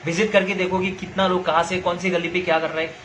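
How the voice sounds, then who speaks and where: A man's voice: high-pitched, level tone, fast, fairly bright tone, slight background noise, low-quality recording. A young man from Nagaland, ranting angrily and directly at someone, lecturing and repeating his points. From Nagaland, India. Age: young adult. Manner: confrontational, lecturing, repeats himself. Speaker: social media commentator. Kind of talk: angry direct-to-camera rant.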